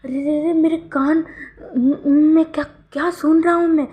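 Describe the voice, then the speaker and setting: A woman's voice: a little high, moderate pace, dark tone, natural voice. A woman voicing a flustered young man in love who stammers over his words, in a fan fiction story read aloud. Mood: stunned.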